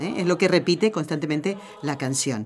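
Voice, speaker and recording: A woman talks with lively intonation while music plays in the background. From Argentina. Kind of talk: religious radio talk; interviewing children.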